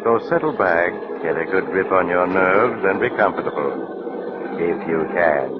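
A man's voice: low-pitched, lively intonation, unhurried, heavy background noise. An actor playing an eerie male storyteller who invites listeners into strange, terrifying tales, in a 1940s radio drama. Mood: teasing. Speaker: narrator. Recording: tinny old radio recording with loud music.

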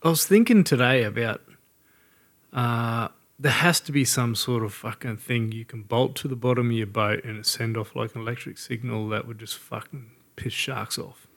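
A man's voice: mid-range voice, moderate pace, gravelly, fairly bright tone. A man with a Queensland Australian accent chatting casually in a laconic, blokey way, with hesitant phrasing. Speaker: recreational boat fisherman. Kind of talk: casual banter about fishing.

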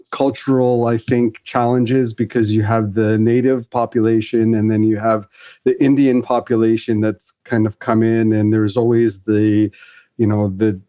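A man's voice: lowish voice, warm tone. A middle-aged man from Fiji, a podcast guest chatting casually and rambling with lots of fillers and restarts. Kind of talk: casual conversational interview.

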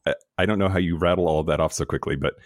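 A man's voice: sits low, steady tone, racing, dry recording, clean studio sound. A man hosting a podcast in a casual, upbeat, enthusiastic way. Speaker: podcast host.

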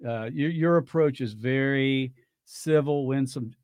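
A man hosting a talk show, with a chatty, conversational manner and a voice of middling pitch. He laughs easily and drops into soft, quiet asides. The sound is dry, with a close mic. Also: measured pace, clean tone, no echo. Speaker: radio talk show host. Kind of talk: conversational interview.

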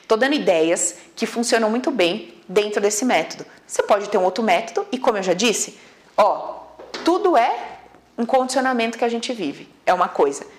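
Lively Brazilian woman with a gravelly voice. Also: mid-range voice. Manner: animated, informal and blunt, with occasional swearing; acts out quoted inner voices. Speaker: emotional coach teaching a method. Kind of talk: casual online lesson.

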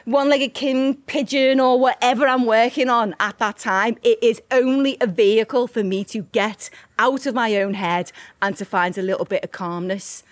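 Animated woman yoga teacher. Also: fairly high pitch, moderate pace, few pauses, no echo. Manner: animated, rhetorical questions. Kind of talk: casual interview.

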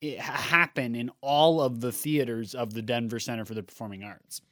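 A man co-hosting a casual theater podcast, with a deeper morning voice, chatty and quick to laugh. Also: no room sound, studio quality. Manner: relaxed, laughs easily, rambling asides. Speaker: podcast co-host.

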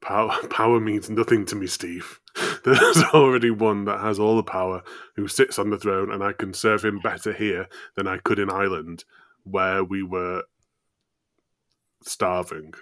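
A man acts out a devout Irish pilgrim settler in an amateur comedy play. He preaches and declaims in a fairly low voice, recorded very dry. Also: fairly even intonation, a little slow, a bit bright, no echo. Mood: pious, solemn. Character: pious Irish male settler in colonial America.

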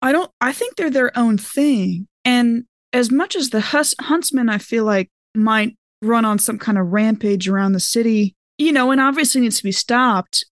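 A woman with a slightly high voice, recorded dry and close. She improvises casually as a player in a tabletop role-playing game, talking in an animated, conversational way and readily jumping in. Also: normal speed, few pauses, dry recording.

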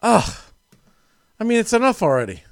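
A man hosting a casual sports talk show, animated and jokey, laughing often as he talks. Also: sits high, moderate pace, creaky, clear, resonant tone, no room sound, studio quality.

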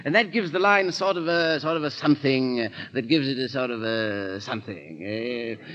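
An actor playing a foppish, dithering English aristocrat who stammers and drawls with silly exclamations, in 1930s radio drama style. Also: male voice, medium pitch, normal speed, fairly bright tone, lightly acted. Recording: dull old radio broadcast.

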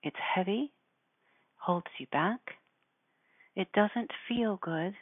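A woman speaking in a measured, deliberate way, giving spiritual instruction and guided meditation. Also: mid-range voice, slightly rough, dry recording. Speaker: spiritual teacher guiding listeners. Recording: narrow phone-like sound.

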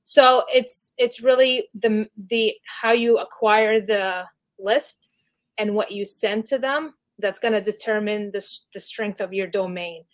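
A woman's voice: medium pitch, measured pace. Woman, guest expert, casual explanations, filler-heavy, mid-range voice. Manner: chatty, many fillers like "you know" and "like". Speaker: email marketing specialist, guest.

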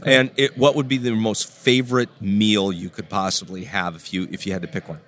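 A man's voice: lowish voice, steady tone, brisk, a bit bright. A man hosting an interview podcast with casual, dry, teasing banter. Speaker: podcast host.

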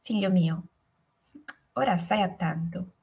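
Patient father in a spoken story, soft and breathy, slow and low, read by a woman. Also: heavily acted. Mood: gentle.

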